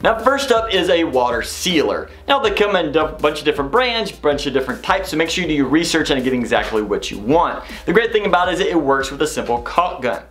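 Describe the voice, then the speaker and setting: A middle-aged home improvement host talks to camera, explaining practical steps plainly, in a fairly high, slightly bright voice. He's very animated, a little fast, and pauses little, with soft music in the background.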